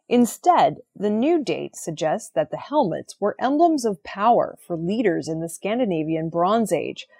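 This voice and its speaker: A woman reading the weekly archaeology news headlines in a clear, measured scripted style. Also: mid-range voice, darkish tone. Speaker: news reader.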